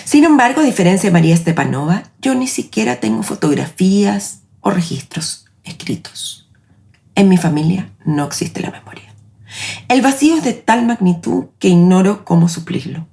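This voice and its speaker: A woman in her late forties with a Chilean accent, hosting her own podcast in a reflective, measured, personal narration. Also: fairly low pitch, animated, vocal fry, dark tone. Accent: Chilean Spanish. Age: 40s. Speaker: podcast host.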